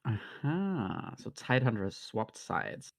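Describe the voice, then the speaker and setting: A man co-casting a live esports match, speaking haltingly with frequent restarts. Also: lowish voice, huge pitch swings, gravelly, no echo, studio quality. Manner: hesitant, many restarts and fillers. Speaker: esports co-caster. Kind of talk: live game commentary.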